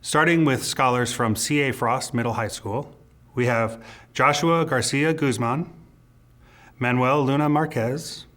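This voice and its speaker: Male principal, formal ceremony announcer, unhurried and measured through a list of names. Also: mid-range voice, fairly bright tone. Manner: formal, measured name reading. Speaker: school principal.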